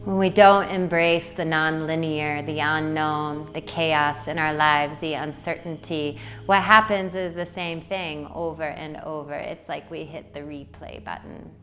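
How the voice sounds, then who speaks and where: A woman leading a guided meditation in a poetic, soothing way, with deliberate phrasing and long pauses. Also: low voice, steady tone, a bit bright. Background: music.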